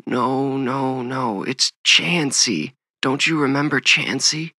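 A man voicing a frightened older mother in an audiobook, tearful and pleading, with a trembling, halting, often whispering voice. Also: mid-range voice, pushed and bright, dry recording, voice pushed up, full character voice. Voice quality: trembling, breathy voice. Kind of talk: audiobook character voice.

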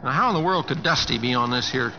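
An actor playing a bashful, earnest Oklahoma cowboy in an old-time radio drama, with a rural Oklahoma accent and a hesitant, folksy drawl. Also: male voice, mid-range voice, expressive, quick pace, bright, forceful tone. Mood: sheepish, coaxing. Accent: American, rural Oklahoma. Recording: dull vintage radio recording, faint music.

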